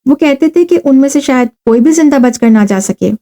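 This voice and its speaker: A woman voicing Rabia, a gentle, modest and devout young woman who speaks earnestly. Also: sits high, lively intonation. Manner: soft, earnest.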